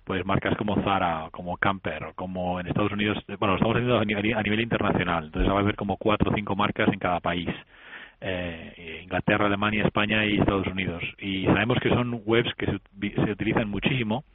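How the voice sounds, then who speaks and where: A man comes through a tinny telephone line as a radio guest, his low voice staying flat and even. He talks hesitantly, restarting phrases and filling gaps with hums. The line sounds dry and close, with no room around him. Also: quick pace, breathy edge, no room sound. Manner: hesitant, many fillers and restarts. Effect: heard over a telephone line. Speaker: guest on a radio tech show. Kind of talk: casual phone interview.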